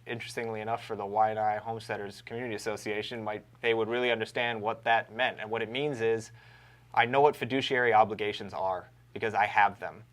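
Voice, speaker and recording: A man in his thirties from Hawaii introducing himself as a candidate in a slow, deliberate, earnest way. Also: fairly low pitch. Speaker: political candidate. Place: TV studio.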